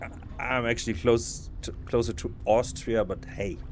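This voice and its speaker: A man's voice: mid-range voice, fairly even intonation, normal speed, slight background noise. A man streaming a stealth game live, musing aloud to himself and chatting casually with his viewers, often restarting his sentences. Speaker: podcast host streaming a game. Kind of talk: casual live gameplay commentary.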